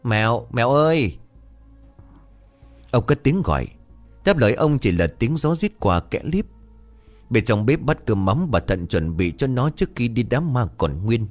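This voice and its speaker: A man narrating a dramatic folk tale with an expressive, swooping delivery. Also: medium pitch, moderate pace, faint music behind.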